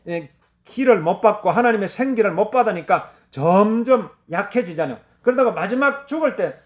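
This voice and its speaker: A middle-aged man preaching a sermon, repeating key words and breaking into sudden loud exclamations. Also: high voice. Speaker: pastor.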